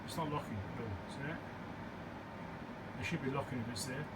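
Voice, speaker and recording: Thinking aloud as he goes, a man with a mid-range voice walks through an electronics repair in a casual, halting, step-by-step fashion. The setting is an indoor repair bench, and a steady hum plus room noise can be heard.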